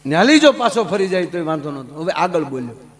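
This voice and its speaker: A man telling folk comedy stories on stage, swinging from hushed asides to loud declaiming. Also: a little high, sing-song, fast. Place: stage at a religious gathering.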